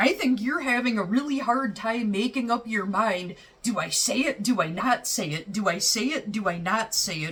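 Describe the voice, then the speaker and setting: Speech at a moderate pace with hardly any pauses over noticeable background noise. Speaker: tarot reader. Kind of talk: tarot reading. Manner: casual, thinking aloud.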